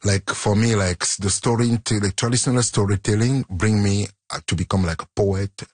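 A man talks through an interview in a low, husky voice. He speaks hesitantly, leaning on fillers and restarting his sentences. The sound is dry and close. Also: normal speed, a little mellow, no echo. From Cameroon. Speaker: musician guest. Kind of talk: interview conversation.

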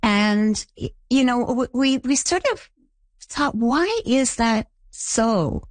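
An older woman from Canada giving reflective, halting interview answers about a show she created. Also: a little high, lively intonation, no echo. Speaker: guest, creator of a teen drama.

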